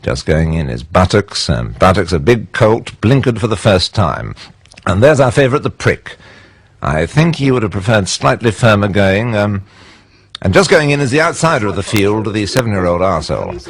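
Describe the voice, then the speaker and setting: A man's voice: on the low side, very animated, moderate pace, husky, dry recording, full character voice. A man playing an earnest horse racing commentator, calling the field with a straight face. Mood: measured, deadpan. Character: deadpan horse racing commentator, building to frantic excitement.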